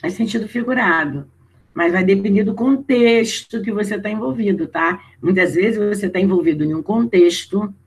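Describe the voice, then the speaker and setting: A man with a Brazilian Portuguese accent teaching an online video lesson. He talks in a conversational way, reads exercise prompts aloud, thinks out loud and keeps checking in with his students. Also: high voice, husky, low-quality recording. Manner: conversational, checking in with students through tag questions.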